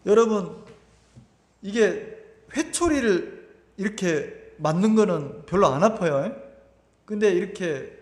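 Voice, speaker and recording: A man with a high voice preaches a Sunday sermon in a church, his pitch rising and falling widely. He talks conversationally, keeps asking the congregation questions and repeats his words. His voice rings through a reverberant hall. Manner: repeats words and uses filler "막" often. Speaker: pastor. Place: church sanctuary.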